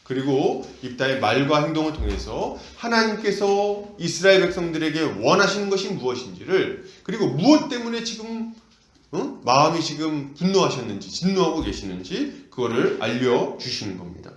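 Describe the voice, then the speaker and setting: A man's voice: a little high, normal speed. A male pastor preaching an expository sermon and asking the congregation questions, in an echoey church hall. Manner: animated, asks the congregation questions.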